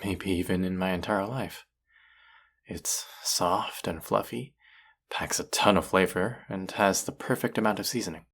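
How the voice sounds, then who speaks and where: Casting: male actor as arrogant chef with a low voice, sardonic and needling, secretly fond of his rival, for intimate audio roleplay. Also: a little slow, gravelly, fairly bright tone, husky, exaggerated voice. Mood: grudging admiration. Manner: teasing, sardonic, condescending. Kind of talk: intimate audio roleplay acting addressed to listener.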